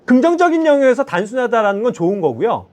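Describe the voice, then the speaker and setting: A male lay preacher delivers a sermon in a church, animated and constantly checking in with his listeners. His voice sits high and leaps widely in pitch. He keeps the congregation engaged with short questions. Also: fast talker.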